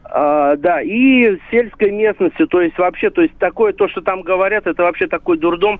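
A man's high-pitched voice at a moderate pace, with hardly any pauses. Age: 50s. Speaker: caller. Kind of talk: phone-in complaint. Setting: phone call. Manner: halting, many fillers.

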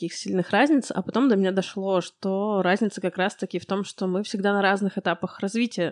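A woman speaks in a normal speaking voice at medium pitch, fairly quick and with hardly any pauses, her intonation fairly even. The background is quiet and the sound is dry and close with no echo. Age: 30s. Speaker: interior designer. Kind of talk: casual chat.

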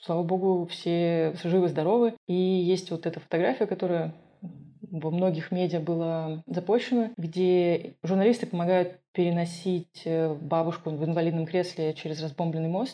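In an ordinary speaking voice, a woman with a fairly low pitch talks at a moderate pace with fairly even intonation. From Russia. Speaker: physicist and activist community founder. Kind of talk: casual interview.

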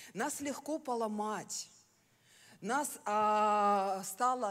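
A woman with a fairly high pitch is talking. Her pace is very slow. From southern Russia, Rostov-on-Don. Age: 40s. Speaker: woman preacher. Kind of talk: sermon.

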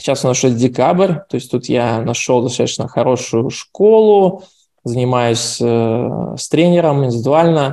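A man speaks at a medium pitch and a fairly slow pace, his intonation lively. His tone is dark and mellow, on a very clean recording with a silent background. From Latvia. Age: 30s. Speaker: poker backing fund founder. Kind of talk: podcast interview.

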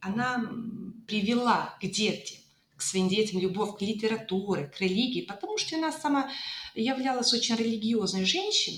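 A woman's fairly high voice with lively intonation and long, frequent pauses. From Montenegro. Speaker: literature enthusiast, language learner. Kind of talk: casual interview discussion. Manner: hesitant, frequent fillers.

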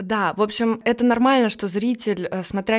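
A woman speaks at a moderate pace with ordinary pitch variation. She has a plain, everyday voice. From Russia, Tolyatti. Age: 20s. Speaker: cinematographer and editor. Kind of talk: interview.

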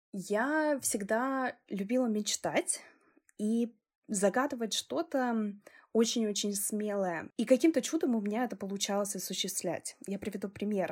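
On a very clean recording with a silent background, a somewhat breathy woman with a fairly high pitch speaks at a fairly slow pace with lively intonation. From Russia, Arkhangelsk. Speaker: business psychologist and coach. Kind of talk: interview.

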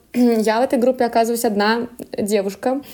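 Noticeable background noise sits behind a woman whose high-pitched voice moves at a moderate pace with fairly even intonation. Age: 30s. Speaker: journalist and graduate student. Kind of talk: casual chat. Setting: in person, together in Antwerp.

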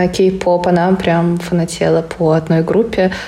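A woman's dark, mellow tone at a fairly slow pace. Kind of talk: casual chat.

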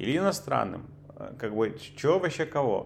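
This man's voice sits at a medium pitch. It swings very widely up and down. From Russia. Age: 30s. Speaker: podcast co-host. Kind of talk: casual chat.

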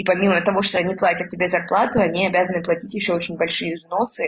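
With fairly even intonation, a woman speaks in a plain, everyday voice. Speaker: emigrant interviewee. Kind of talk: recorded personal story.

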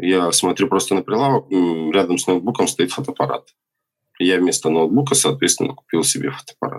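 A man with an unremarkable speaking voice talks at a fairly quick pace in a fairly low pitch with lively intonation, the sound dry and close with no echo. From Russian Far East (Sakhalin). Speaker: landscape and drone photographer. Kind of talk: casual chat.

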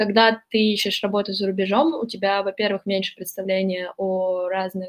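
A woman's medium-pitched voice with fairly even intonation, an ordinary speaking voice. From Moscow, Russia. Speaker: marketer. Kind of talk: interview.

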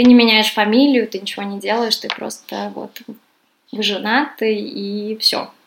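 In a normal speaking voice, a woman talks at a fairly slow pace with a fairly high pitch, fairly even intonation and big swings in loudness. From Russia. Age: 20s. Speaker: immigrant. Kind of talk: casual interview.

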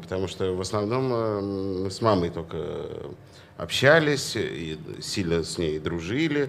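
The pitch swings very widely. Audible room echo is present. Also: man. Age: 40s. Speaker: rock band frontman. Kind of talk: casual chat.

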